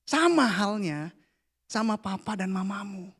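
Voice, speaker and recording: A man, preaching a casual, playful youth sermon that drops to a hush for the prayers. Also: sits high, expressive, measured pace, slightly rough. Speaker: youth pastor. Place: church hall.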